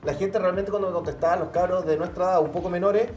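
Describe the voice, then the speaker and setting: Young male Chilean interview host, rapid casual slangy delivery, emphatic and rhetorical, slightly echoey room. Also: high-pitched, steady tone, music in the background. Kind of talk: casual, colloquial political chat.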